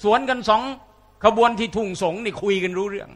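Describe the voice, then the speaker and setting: A man preaches an Islamic sermon, full of humor and playful dialect impressions. His voice sits high and sounds bright and forceful. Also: a little fast. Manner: lively, humorous, mimics regional dialects.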